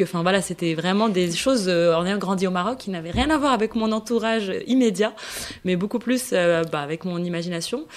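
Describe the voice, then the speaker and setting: A Moroccan novelist in her thirties appears as a guest on a local radio show, speaking at a medium pitch. Her answers are thoughtful but hesitant, full of fillers and restarts as she hunts for the right words.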